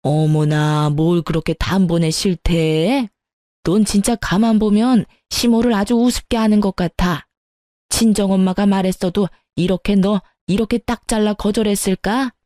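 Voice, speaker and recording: A woman's voice: medium pitch, steady tone, moderate pace, dark tone, no room sound, studio quality, natural voice. A woman voicing a pushy, domineering older mother-in-law who nags and scoffs. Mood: scornful. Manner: nagging, domineering.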